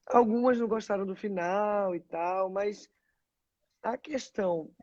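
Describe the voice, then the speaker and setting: An animated woman from Pernambuco talks as an actress in a casual interview. Her storytelling is expressive and lively. The sound is dull and dry, with no room to it. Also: medium pitch, no room sound. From Pernambuco, Brazil. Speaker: actress guest.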